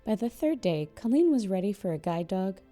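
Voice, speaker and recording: A woman narrating a podcast in a calm, measured, scripted way. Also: medium pitch, soft background music.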